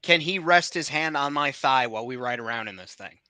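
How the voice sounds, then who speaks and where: A man's voice: mid-range voice, expressive, a little fast, pushed and bright, dry recording. A man co-hosting a casual chat, throwing in crude wisecracks. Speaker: podcast co-host.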